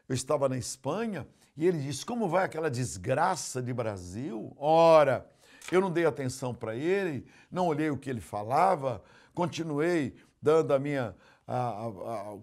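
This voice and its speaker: An older pastor from Brazil preaching a sermon, telling stories with acted quotes and swinging between loud outbursts and hushed asides. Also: male voice, medium pitch.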